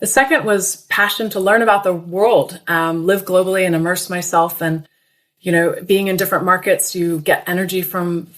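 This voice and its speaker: A woman with an American accent has an ordinary speaking voice, talking at a moderate pace and medium pitch with fairly even intonation. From US, Washington DC area. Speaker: finance executive. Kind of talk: interview. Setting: podcast.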